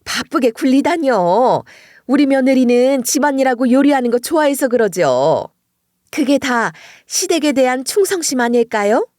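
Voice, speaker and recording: A woman's voice: high-pitched, animated, normal speed, darkish tone, dry recording, clean studio sound, voice pushed up. A woman voicing a scheming, sarcastic middle-aged mother-in-law who needles with false politeness.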